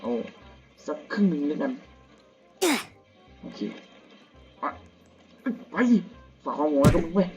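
A young man, still a student, giving casual gameplay commentary at home at night, slangy and crude with excitable outbursts. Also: fairly high pitch, measured pace, long pauses. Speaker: gamer. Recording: dull lo-fi audio with game music.

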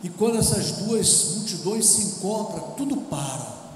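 A man, a visiting pastor, preaching a fiery sermon in a large church, shouting and half-singing some lines. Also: sits high, expressive, unhurried. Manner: shouts and sings lines, acts out quoted believers. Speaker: guest pastor. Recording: echoey church hall, distant mic, faint noise.

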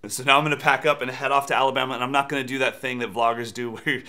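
A man's voice: medium pitch, level tone, rapid-fire, sharp tone, clear, resonant tone. A man in his forties, a drum educator, talking casually and upbeat to his camera in a vlog. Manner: chatty, upbeat, self-deprecating. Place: drum studio room, later a car.

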